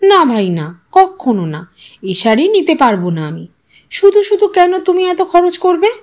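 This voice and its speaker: A woman's voice: very high voice, sing-song, a little slow, darkish tone, voice pushed up, heavily acted. A woman voicing an anxious, proud, tearful housewife with a pleading, protesting manner in a dramatised audio story. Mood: bashful protest.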